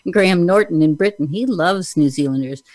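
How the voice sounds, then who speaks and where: Low-voiced Canadian woman host. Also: normal speed, darkish tone, dry recording. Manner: chatty, teasing, laughs often. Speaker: podcast host. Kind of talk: casual interview chat.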